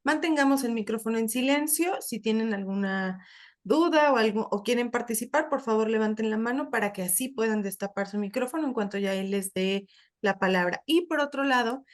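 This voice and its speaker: Polite higher-pitched woman moderating a webinar. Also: brisk. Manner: polite, welcoming, with frequent fillers. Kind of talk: webinar introduction. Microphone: video call.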